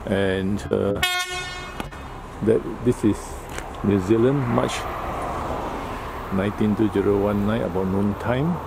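A man's voice: fairly low pitch, fairly even intonation, vocal fry. Man, outdoor vlog. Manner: halting, short remarks while filming. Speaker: travel vlogger. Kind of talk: casual travel vlog commentary. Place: outdoors at a small rural train station. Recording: loud outdoor noise, camera mic.

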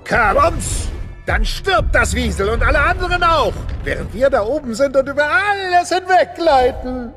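A man's voice: extremely high pitch, lively intonation, moderate pace, fairly bright tone, faint music behind, full character voice. An actor playing a villainous bird-dinosaur father in an audio drama, sly and gloating.

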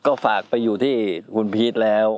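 A man's voice: fairly quick, lo-fi sound. A man who is the father of the family, telling a casual story and acting out what people said. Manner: animated anecdote teller, acts out quotes.

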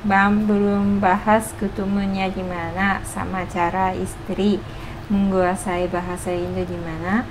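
A young Japanese woman chatting casually as a foreigner speaking halting Indonesian with a Japanese accent and interjections from her native language. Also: mid-range voice, little pitch movement. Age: young adult. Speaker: co-host of couple's vlog. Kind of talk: casual chat. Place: small home kitchen, indoors. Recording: noticeable background noise, home kitchen.

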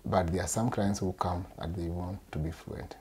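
A middle-aged man from Kenya, a speech therapist, explaining treatment in an earnest, halting way in a small office, recorded by a camera across the desk. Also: low-pitched, fairly even intonation, a little mellow, a little hiss or hum. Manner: earnest, repeats yes often, halting phrasing. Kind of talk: explaining in an interview.

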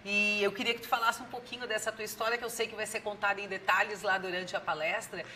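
A woman in her thirties with a southern Brazilian accent hosts a TV interview. Her voice is bright and crisp-edged at an average pitch. She talks conversationally, with a little noise behind her. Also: steady tone, quick pace. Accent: southern Brazilian, Santa Catarina. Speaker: TV host, interviewer. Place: TV studio, indoors.

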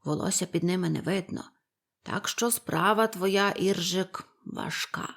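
A woman voicing two kindly fishermen in a storybook, speaking lower and slower than her own voice. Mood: confiding. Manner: low, slow, homely telling. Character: two grateful old fishermen, plain and kindly.

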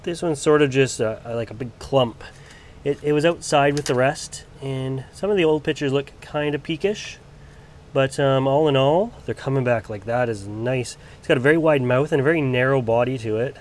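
A man who grows plants gives an off-camera, handheld tour of his collection in an indoor grow area under bright lights, still getting over a cold. He talks at normal speed in a mid-range voice, chatty and unpolished, full of ums and restarts.

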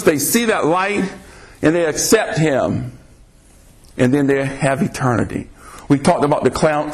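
A man preaching a sermon on a podcast, reading scripture aloud and pressing listeners with rhetorical questions. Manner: slow, emphatic delivery with sudden pitch swings.

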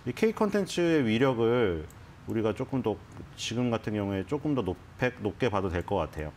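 A man's voice: lowish voice, big pitch swings, brisk, darkish tone, slight background noise. A man explaining stocks on a financial TV program, talking in a conversational, explanatory way with frequent restarts. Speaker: stock analyst guest. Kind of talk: conversational market commentary. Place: TV studio.

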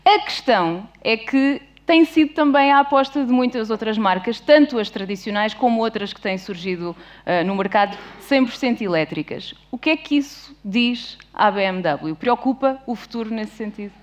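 Higher-pitched Portuguese woman hosting a panel. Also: lively intonation, moderate pace, lo-fi sound. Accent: European Portuguese. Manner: informal, teasing, jokey. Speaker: host and moderator. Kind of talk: lively panel moderation before an audience. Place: live stage with audience.

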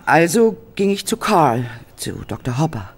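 A woman playing an embittered, frightened Hollywood actress, telling her story in a halting, dramatic German horror radio play style. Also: deep voice, big pitch swings, husky, full character voice. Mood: haunted, confessional.

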